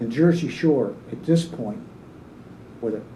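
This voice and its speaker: A man with an American accent speaks at a fairly high pitch and moderate pace. Audible room echo and noticeable background noise surround him. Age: 70s. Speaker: public commenter, Vietnam veteran. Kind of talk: public comment at government meeting. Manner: halting.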